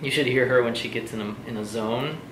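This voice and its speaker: A man's voice: medium pitch, a little fast. A young man from Texas with an American accent, chatting casually as a vlog co-host. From Texas, United States. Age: young adult. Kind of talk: casual chat. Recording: echoey room with clear background noise.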